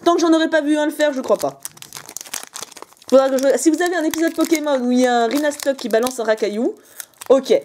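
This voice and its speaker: A young woman hosting a casual, excited card-opening video, chatty and jokey. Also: high voice, fast talker, pauses often, a little hiss or hum. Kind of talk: excited casual unboxing commentary.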